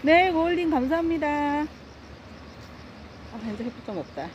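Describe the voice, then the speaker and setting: A woman's voice: high voice, lively intonation, moderate pace, lo-fi sound, slight background noise. A woman walking her dogs outdoors, chatting casually on a phone live stream and fondly scolding her pets. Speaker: dog owner live-streaming a walk. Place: outdoors on a walking path by stepping stones.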